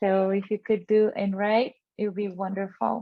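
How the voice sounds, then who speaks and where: A woman with a Portuguese accent speaks in a fairly high pitch and a flat monotone. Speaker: workshop facilitator. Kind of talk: online workshop facilitation.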